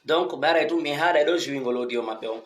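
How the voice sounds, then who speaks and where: A fairly high-voiced man talks informally to his followers. He is emphatic, throwing out rhetorical questions, and the room adds a strong echo. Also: quick pace, a little hiss or hum. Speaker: online commentator addressing followers. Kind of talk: informal commentary monologue to followers. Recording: echoey untreated room.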